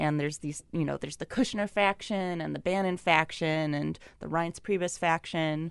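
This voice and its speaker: With an American accent, a woman speaks in an unremarkable speaking voice, fairly low in pitch and fairly even in intonation, at a moderate pace with hardly any pauses. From Wisconsin. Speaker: political journalist. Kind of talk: casual panel discussion. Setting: studio.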